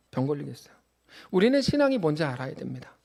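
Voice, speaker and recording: A man talks at a very fast pace with a fairly high pitch and a dark, mellow tone. The recording is very clean, with a silent background. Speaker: pastor. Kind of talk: sermon.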